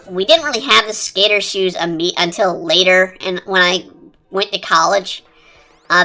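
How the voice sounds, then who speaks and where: A streamer talking through a high-pitched chipmunk voice changer in rambling, casual chat while drawing. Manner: rambling, chatty, lots of fillers. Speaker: art streamer. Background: quiet cafe-style background music.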